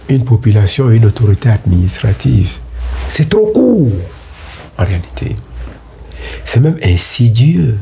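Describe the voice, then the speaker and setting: With a Central African accent, a man speaks at a fairly low pitch and a fairly slow pace, with long, frequent pauses. His pitch swings very widely, and there is noticeable background noise. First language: Bangu (speaking French). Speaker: law professor. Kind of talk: interview.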